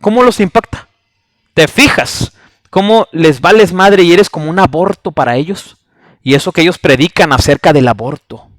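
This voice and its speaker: Guy ranting like a preacher, kinda high voice, blunt and cussing, dry sound. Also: normal speed, no room sound. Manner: blunt, scornful, swears, repeats rhetorical "¿sí?". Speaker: channel host. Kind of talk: preachy critical monologue.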